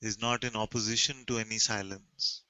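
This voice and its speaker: A man with an Indian accent, answering questions as a spiritual teacher in a calm, gentle way. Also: fairly low pitch, moderate pace, no echo, lo-fi sound.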